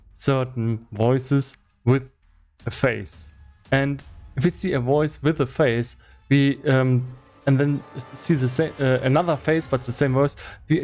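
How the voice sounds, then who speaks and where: Halting man on a livestream, music behind. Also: mid-range voice, darkish tone. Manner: halting, thinking aloud. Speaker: game developer streaming live. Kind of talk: casual explanatory livestream talk. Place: indoor room with foam acoustic padding.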